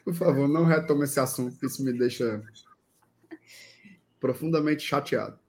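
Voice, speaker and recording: A man's voice: medium pitch, normal speed, a little mellow. A man co-hosting a live sports stream, trading jokes in mock-grumpy banter. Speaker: podcast co-host. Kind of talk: casual live-stream chat.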